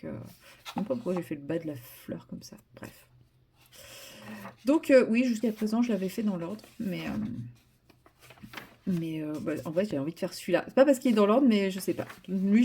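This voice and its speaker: A woman's voice: medium pitch, fairly quick, dark tone, slight background noise. Brief: woman vlogger, casual rambling chat at home, lots of ums and restarts. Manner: chatty, rambling, many fillers and restarts.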